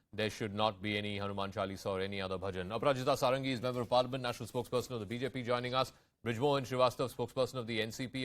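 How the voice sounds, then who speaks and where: A man's voice: mid-range voice, a bit bright. A man anchoring live news and moderating a debate, putting questions to reporters and guests.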